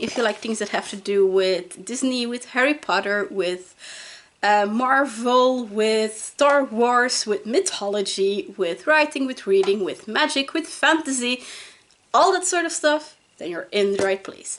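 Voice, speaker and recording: Her pitch is high and swings very widely. The woman speaks fairly slowly with a Flemish accent. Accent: Belgian (Flemish) English. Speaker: YouTuber. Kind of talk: casual unboxing talk to camera.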